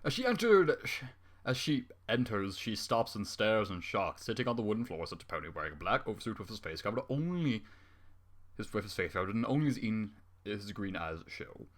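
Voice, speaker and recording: A man's voice: lowish voice, big pitch swings, a little fast. A man reading fan fiction aloud with running commentary, exasperated and sarcastic, swearing often.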